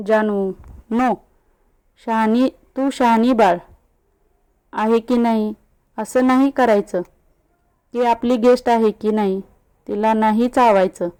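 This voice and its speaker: A woman's voice: on the high side, fairly even intonation, normal speed, dark tone, clear, resonant tone, lightly acted. A woman voicing a bossy, protective young woman who hosts a party, speaking in a commanding, coaxing way.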